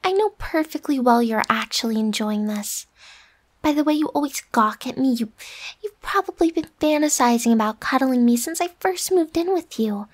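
A woman acts out a young tsundere roommate in an ASMR roleplay, her voice set high. She is huffy and bossy, quick to get defensive, with a secret soft side and breathy whispered asides. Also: animated. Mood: annoyed, teasing.

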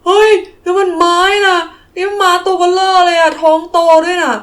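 A woman's voice: very high voice, steady tone, brisk, pitched above the performer's own voice. A woman voicing a sleepy, puzzled father who grumbles and exclaims in a children's toy story. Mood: startled. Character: sleepy, startled father roused from his nap.

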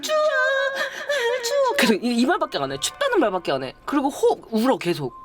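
A woman's voice: fairly high pitch, huge pitch swings, quick pace, over loud music. A young woman chattily telling a true ghost story, acting out the gasps and voices of the people she describes. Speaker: YouTube storyteller. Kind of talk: casual spoken ghost story.

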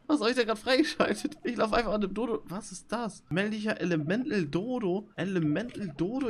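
Excitable young German gaming streamer. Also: male voice, on the high side. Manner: excitable, swings between shouting and muttering. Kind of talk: live gaming commentary.

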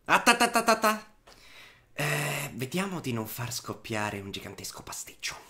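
A man voicing an unhinged, mocking clown crime villain for a film dub, halting and theatrical, dropping into whispers. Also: a little high, very animated, bright, forceful tone, voice pushed up, full character voice. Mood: mocking threat. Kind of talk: amateur film dubbing in Italian.

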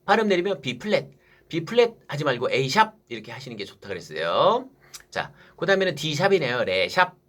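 A male saxophone teacher explains music theory with a fairly high, animated voice that swings up and down. His tone is a little husky. He keeps asking his students questions and then answers them himself. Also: brisk.

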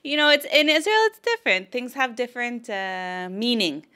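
A woman's voice: on the high side, expressive, moderate pace, bright, forceful tone, smooth. An American woman in her thirties, an interview guest casually telling personal stories. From Los Angeles, United States. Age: 30s. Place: small home-style studio, indoors. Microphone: close handheld microphone.

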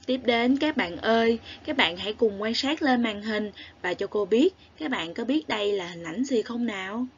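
A woman with a southern Vietnamese accent teaching a recorded lesson to young children, spelling sounds aloud clearly and praising the class. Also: a little high, expressive, normal speed, dull audio, slight background noise. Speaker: primary school teacher.

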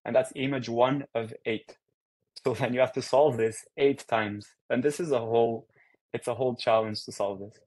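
A young man from Portugal gives a research talk over a video call. His voice sits at a middle pitch. He talks in an easygoing, upbeat way, with fillers and quick restarts. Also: steady tone, darkish tone, low-quality recording. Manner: casual, upbeat presenter with frequent fillers. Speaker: guest speaker.

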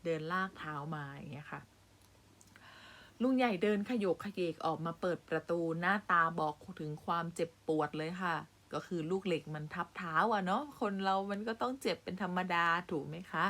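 A woman's voice: fairly low pitch, a bit bright. A woman teaching young primary pupils, reading a story aloud and stopping to explain words patiently. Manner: patient, addresses pupils directly with polite particles. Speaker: primary school Thai teacher.

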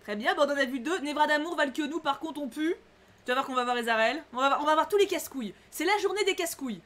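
A woman's voice: sits high, quick pace, fairly bright tone. A woman playing a story game and reading it aloud, with crude, exasperated, teasing commentary. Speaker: let's-play streamer.

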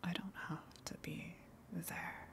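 An eldritch tentacle monster from the sea, played by a woman, coaxes in a breathy ASMR whisper. The voice is low and creaky, luring the listener along gently. It lingers between phrases in a hushed, intimate roleplay style. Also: little pitch movement. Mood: quietly menacing. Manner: slow, hushed, coaxing, with long pauses.

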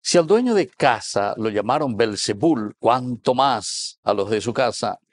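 A man's voice: medium pitch, lively intonation, measured pace, no room sound. A man in his fifties with a Paraguayan accent, preaching as a Catholic priest. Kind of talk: sermon with scripture reading. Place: small indoor wood-panelled chapel. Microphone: lapel mic.

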